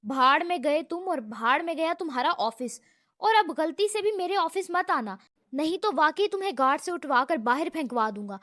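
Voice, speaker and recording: A woman reads a rude young man who yells at everyone. He is hot-headed and easily offended, and he barks his lines in a high voice. The recording is close and dry. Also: lively intonation, no echo. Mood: angry shouting. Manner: shouting, indignant outbursts.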